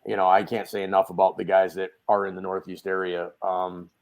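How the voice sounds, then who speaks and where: A man's voice: a little fast, creaky. Male podcast guest, casual storyteller, rambling, restarts a lot, volume jumps from mutter to burst. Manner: animated, swings between low mumbles and loud bursts; rambling with many restarts and fillers.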